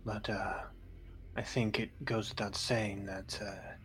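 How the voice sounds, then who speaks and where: A man voicing a humble, soft-spoken male pastor in a tabletop game, talking quietly and half-whispering. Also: lowish voice, flat delivery, slow, a little hiss or hum, voice pushed down. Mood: hushed. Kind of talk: in-character role-play.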